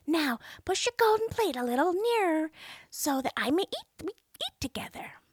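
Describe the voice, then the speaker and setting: A woman doing a squeaky pleading frog. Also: very animated, dry recording. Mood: demanding. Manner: high, slow, drawn-out calling. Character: pleading small male enchanted frog.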